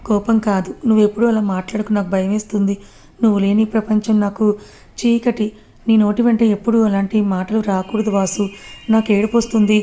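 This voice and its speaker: A woman voicing an anxious young woman in love, in a soft, plain reading voice. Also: mid-range voice, level tone, a little fast, a little hiss or hum, close to an everyday voice. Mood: upset.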